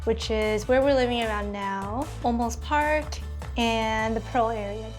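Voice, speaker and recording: Woman from San Jose, candid and earnest interviewee, slightly high voice. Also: unhurried, soft background music. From San Jose, California. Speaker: first-time home buyer. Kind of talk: interview testimonial.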